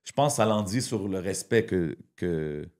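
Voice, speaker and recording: A man's voice: sits low, lively intonation, normal speed, darkish tone. A man with a Quebec accent interviewing casually on a podcast, switching between French and English slang.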